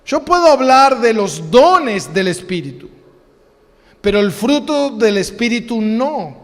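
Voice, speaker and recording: Argentine male pastor, emphatic sermon delivery, unhurried, echoing church hall. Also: extremely high pitch, very animated, a bit bright. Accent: Argentine Spanish. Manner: slow, emphatic preaching with rhetorical questions and repetition.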